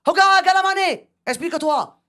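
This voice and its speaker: Bossy tribal chief voiced by a woman, loud, chanting gibberish calls, comic sketch. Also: very high-pitched, animated, moderate pace, pitched above the performer's own voice, full character voice. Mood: bossy shouting.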